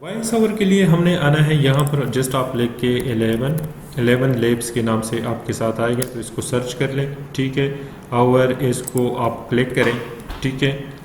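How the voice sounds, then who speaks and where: A man with a South Asian accent gives a casual software tutorial, explaining informally step by step. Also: mid-range voice, steady tone, measured pace, rough recording. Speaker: tutorial presenter. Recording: noticeable background noise.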